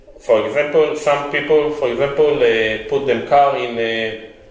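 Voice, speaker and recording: Noticeable background noise surrounds speech that has fairly even intonation. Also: man. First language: Hebrew. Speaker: driving instructor. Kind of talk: interview. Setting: studio. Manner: halting.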